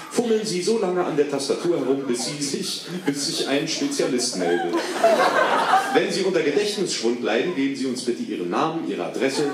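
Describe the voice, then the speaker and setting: A man reading out a deadpan parody hotline message as an answering machine recording, in a formal announcer manner. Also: medium pitch. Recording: echoey, distant, noisy recording.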